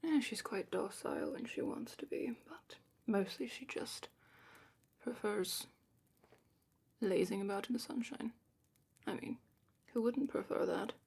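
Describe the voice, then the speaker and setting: A woman playing a weary, wry, slightly superior female official at a dragon academy, in a soft whispered ASMR roleplay. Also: mid-range voice, vocal fry, husky. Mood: smug. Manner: slow, dry, slightly superior, formal.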